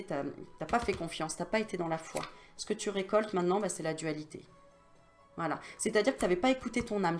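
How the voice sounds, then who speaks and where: A woman medium giving a casual card reading straight to the viewer, chatty and familiar, coaxing and reassuring with lots of fillers. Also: mid-range voice.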